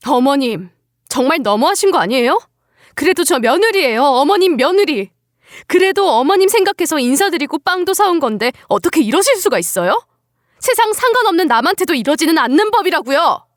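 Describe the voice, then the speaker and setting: A woman's voice: a little high, animated, a little fast, no room sound, studio quality, lightly acted. A woman voicing a wounded, defiant young daughter-in-law. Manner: pleading, tearful defiance. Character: young widowed daughter-in-law, hurt but standing up. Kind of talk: dramatized story reading.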